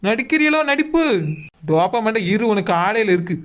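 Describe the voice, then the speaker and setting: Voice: mid-range voice, expressive, fairly quick, dull audio, lightly acted. An actor voicing a bossy, suspicious cartoon mother who scolds and mutters. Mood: scolding. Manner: scolding, muttering, name-calling. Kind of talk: cartoon dub dialogue.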